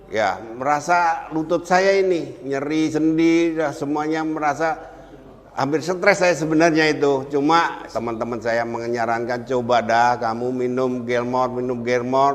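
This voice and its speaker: Over noticeable background noise and audible room echo, a man with a fairly high pitch speaks at a fairly slow pace with hardly any pauses. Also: ordinary pitch variation. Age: old. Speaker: customer and volleyball coach. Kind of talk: testimony.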